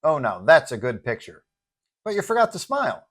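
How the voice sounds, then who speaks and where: A man's voice: on the high side, huge pitch swings, moderate pace, fairly bright tone, full character voice. A man voicing a confident, well-meaning superhero who talks in a breezy, colloquial way in an audio story. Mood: confident, wry.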